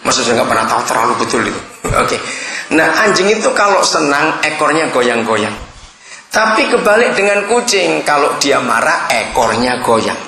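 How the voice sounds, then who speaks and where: Man, preacher, lively swooping delivery, humorous sermon storytelling, echoey room. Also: medium pitch. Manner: humorous storytelling, addresses listeners directly. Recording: roomy echoing hall.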